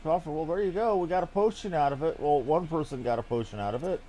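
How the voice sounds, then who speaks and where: A man's voice: fairly high pitch, fast talker, mellow, a little hiss or hum, rough recording. A man giving casual live commentary while streaming a game, with a wry, mildly profane way of talking.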